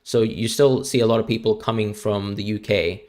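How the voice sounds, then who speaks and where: A man's voice: lowish voice, fairly even intonation, normal speed, darkish tone. A young man from Hong Kong with an international school accent, chatting casually on a live stream and answering viewers' questions, often stumbling over repeated words. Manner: chatty, repeats words when starting sentences.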